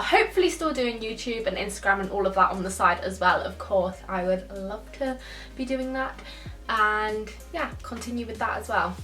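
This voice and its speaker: Chatting through a casual Q&A, a YouTuber of twenty who grew up in Spain thinks aloud and laughs now and then. Her fairly bright voice sits on the high side. A distant mic catches her slightly off-axis amid room echo and faint music.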